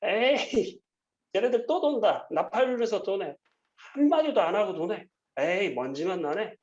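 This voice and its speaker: A man's voice: on the high side, sing-song, a little slow, a little mellow, highs cut off. A man voicing scornful townsmen who mock and dismiss people marching past. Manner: mocking, dismissive.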